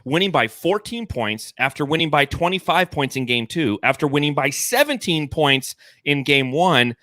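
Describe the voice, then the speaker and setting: A man hosting a sports podcast, hyping up his team with playful banter and drawn-out emphasis. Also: a little high, animated, sharp tone, dry recording, studio quality. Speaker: podcast host.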